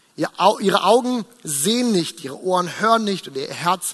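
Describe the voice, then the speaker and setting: A man's high-pitched voice with a warm tone at a moderate pace. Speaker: preacher. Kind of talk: sermon. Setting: church. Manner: earnest, direct appeal to the listener; warm, storytelling, conversational.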